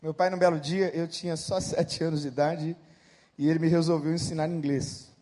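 High-voiced pastor preaching. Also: male voice, level tone, moderate pace. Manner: swings between loud emphatic peaks and quiet storytelling. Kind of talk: sermon.

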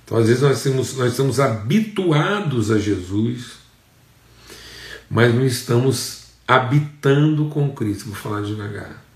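A Brazilian man preaching a sermon as pastor, with repeated phrases and emphatic rises in pitch. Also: animated, measured pace, a little mellow, reverberant. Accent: Brazilian Portuguese.

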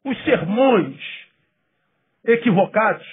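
A male pastor preaching a sermon, emphatic and then dropping to quiet asides. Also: sits high, animated, phone-quality sound. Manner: acts out quoted people in quick bursts.

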